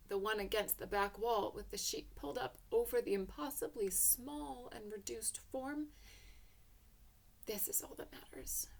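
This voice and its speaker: A woman reads a first-person literary short story with intense, theatrical delivery, letting hushed passages swell to emotional peaks. Her voice is mid-range, with vocal fry.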